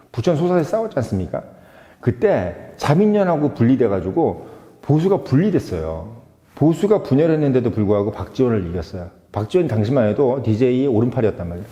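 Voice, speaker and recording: A man's voice: mid-range voice, mellow. A man giving casual political commentary, emphatic, firing off rhetorical questions and switching between polite and blunt speech. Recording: dull, roomy echoey sound with long reverb.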